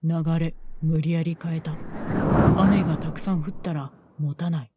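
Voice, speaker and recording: A woman voicing a calm, terse young man who sleeps for years and talks flatly. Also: deep voice, normal speed, heavy background noise, natural voice. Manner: flat, terse, matter-of-fact.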